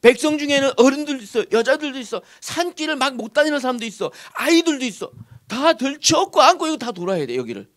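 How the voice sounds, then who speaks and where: A male pastor delivers a sermon in a church sanctuary. His voice sits high and moves all over the place with lively, sweeping inflection. He keeps turning questions to the congregation as he preaches. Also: fast talker. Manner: animated, asking the congregation questions.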